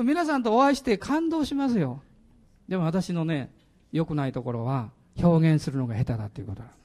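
A middle-aged pastor with a high voice preaches a sermon animatedly, tossing laughing asides to the congregation.

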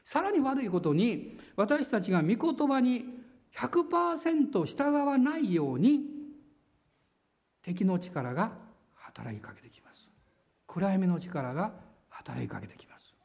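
A man's voice: high-pitched, very animated, measured pace, creaky, a little mellow. A man preaching a sermon to his congregation, earnest and self-deprecating, with firm, emphatic declarations. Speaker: pastor. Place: church service before a congregation.

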